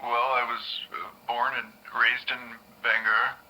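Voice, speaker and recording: A man's voice: mid-range voice, flat delivery, slow, bright, forceful tone, poor audio. An actor playing a nervous young man in a therapy session, stammering, repeating himself and rambling. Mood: anxious. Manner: stammering, repeats words, hesitant. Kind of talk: audio drama acting.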